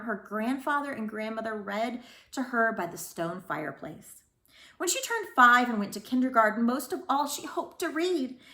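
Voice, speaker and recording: A woman's voice: on the high side, sharp tone. Woman reading aloud in an echoey room. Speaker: school librarian reading aloud to children. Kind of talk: storybook read-aloud with informal introduction.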